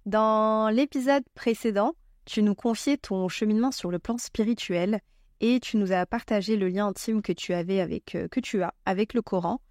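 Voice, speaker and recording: A woman hosting a podcast, asking her guest questions in a polite, measured way. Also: mid-range voice, darkish tone, no room sound, clean studio sound. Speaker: podcast host. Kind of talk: interview hosting.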